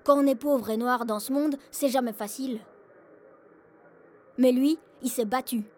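A woman's voice: sits high, a little slow, a little mellow. A woman voicing a proud, cheeky disabled schoolchild narrating a radio drama in punchy, declarative phrases. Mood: admiring, defiant.

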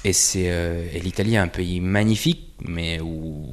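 A man in his forties talks with a musician guest on radio, pausing often and hunting for words. His voice sits fairly low. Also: slight background noise. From Italy. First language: Italian. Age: 40s. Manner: hesitant, searching for words, many fillers. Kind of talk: casual radio interview.

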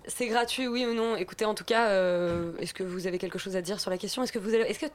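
A woman's voice: mid-range voice, quick pace. A woman hosting a casual radio talk show about films, teasing her guests and steering the conversation.

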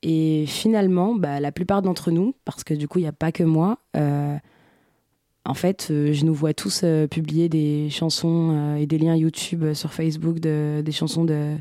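A young woman from Algeria speaks haltingly, stopping often and restarting her sentences. Her voice is mellow and stays fairly flat in pitch. The recording is close and dry. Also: dry recording. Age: young adult. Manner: hesitant, many fillers and restarts. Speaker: guest. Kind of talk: casual interview answers.

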